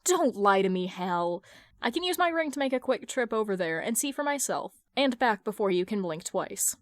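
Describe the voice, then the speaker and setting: A woman voicing a stern, sharp-witted female friend who questions pointedly, like a prosecutor, in an audio fan fiction reading. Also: medium pitch, very animated, dry recording, clean studio sound, natural voice. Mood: probing. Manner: pointed, interrogating, deliberate.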